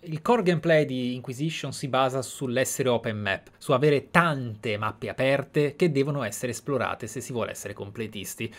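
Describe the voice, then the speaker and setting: A man's voice: mid-range voice, moderate pace, few pauses. A man with an Italian accent commentating on a video game, with theatrical delivery and reflective asides. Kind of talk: game commentary with read-aloud in-game letters.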